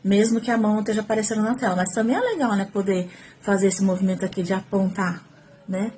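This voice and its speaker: Brazilian woman, ex-reporter, mid-pitched, chatty home tutorial on phone, faint background noise. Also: fast talker. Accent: Brazilian Portuguese. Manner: talkative, animated, gestures while speaking. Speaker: former TV reporter teaching on-camera skills. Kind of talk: casual tutorial to camera. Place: at home, indoors. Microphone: phone, front camera.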